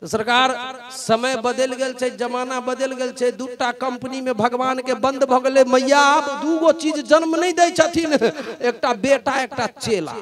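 High-voiced young man doing live stand-up. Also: unhurried. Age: young adult. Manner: animated storytelling, acting out quoted voices. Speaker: stand-up comedian. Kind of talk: stand-up comedy on stage. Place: outdoor festival stage under a tent canopy. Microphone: handheld microphone. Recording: live stage sound with audible crowd.

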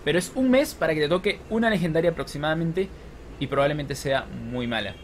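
A man's voice: on the high side, lively intonation, brisk. A man in his twenties talking casually to camera like a gaming vlogger, explaining things step by step. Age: 20s. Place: small room at home with open window. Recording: clear background noise from street, open window.

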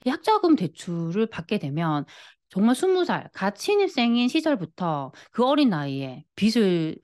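A woman's voice: medium pitch, normal speed. A woman in her late thirties talking earnestly to camera about money, into a studio mic in a plain room. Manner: earnest, lively, explanatory. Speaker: personal finance YouTuber. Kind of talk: direct-to-camera talk. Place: plain white-walled room indoors. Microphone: studio mic on a boom in front of her.

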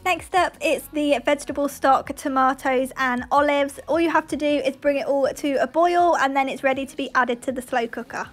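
A woman's voice: high-pitched, moderate pace, hardly any pauses, soft background music. A young woman vlogger doing a chatty voice-over, talking viewers through a recipe step by step. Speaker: lifestyle vlogger. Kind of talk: voice-over narration of a cook-along.

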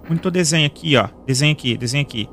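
A young man with a Brazilian Portuguese accent doing let's play commentary as a streamer, reacting with excitable, panicky exclamations directed at his chat. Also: a little high, very fast, a little hiss or hum. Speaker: gaming streamer.

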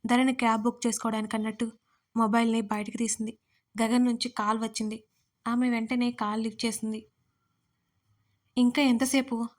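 A woman, the writer and narrator, reading an audio story in a steady, even storytelling manner. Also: a little high, a little fast.

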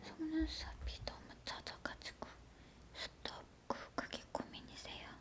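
A woman performs a whispered role-play as a beauty technician. Her voice is a soft, breathy whisper throughout. She talks gently and politely, as if attending to a client lying close by. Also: a little slow. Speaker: ASMR performer playing an eyelash extension technician.

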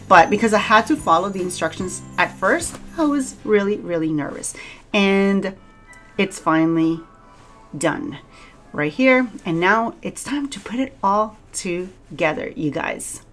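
A woman's voice: mid-range voice, fairly bright tone. A woman with a Cuban accent, talking casually through a home cooking vlog, chatty and self-deprecating and laughing often. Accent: Cuban Spanish. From Cuba. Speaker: cooking vlogger. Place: home kitchen.

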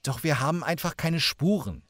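An actor playing a tired police inspector brushing off an angry visitor in a radio drama, curt and dismissive. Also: male voice, fairly high pitch, lively intonation, normal speed, a bit bright, dry recording. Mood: annoyed. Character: tired, weary male police inspector at home.

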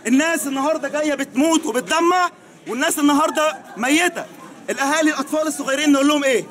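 An Egyptian man, angry and distressed, speaking out in an impassioned street interview with agitated shouting. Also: extremely high pitch, rapid-fire. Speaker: witness interviewed at the scene. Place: outdoors in a crowded hospital yard. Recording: busy outdoor crowd noise.

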